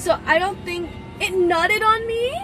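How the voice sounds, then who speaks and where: Clear music plays in the background as a woman speaks at an extremely high pitch. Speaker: streamer. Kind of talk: casual stream chat. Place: car. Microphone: phone near.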